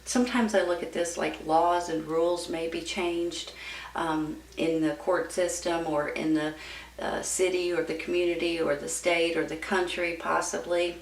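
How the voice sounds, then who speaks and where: Female tarot reader, gravelly fry, encouraging folksy chat to viewers, recorded away from the mic. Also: on the low side, level tone, normal speed. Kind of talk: casual tarot reading addressed to viewers. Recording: roomy, distant mic with background noise.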